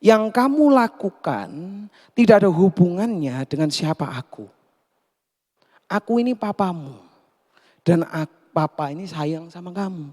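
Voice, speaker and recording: A man voicing a gentle, loving father who speaks softly and tenderly. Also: high-pitched, expressive, unhurried, long pauses. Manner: soft, hushed, tender. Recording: long hall reverb.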